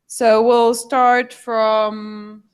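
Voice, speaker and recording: A woman organizing a workshop, slowly announcing the discussion tables to a room. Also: a little high, level tone, smooth.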